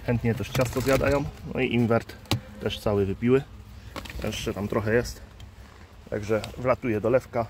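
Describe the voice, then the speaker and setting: Out at the beehives, a man who keeps bees and hosts a channel films a casual explainer on his handheld phone, thinking aloud with fillers as he works. His voice is on the low side, with background noise of faint outdoor ambience and buzzing bees.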